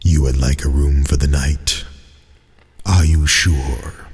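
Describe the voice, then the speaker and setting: Spooky storybook innkeeper, played by a man: grave, foreboding, dark-toned, dragging each warning out slowly. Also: rumbling low, steady tone, husky, pitched below the performer's own voice, heavily acted. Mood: hesitant. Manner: slow, grave, ominous warning delivery.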